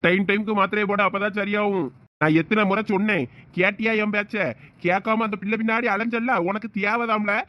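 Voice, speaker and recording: A man's voice: sits high, fairly even intonation, brisk, lightly acted. A man voicing a blunt, scolding village boss with a Thoothukudi Tamil accent. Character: gruff older boss, scolding and stingy-minded. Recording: dull lo-fi audio.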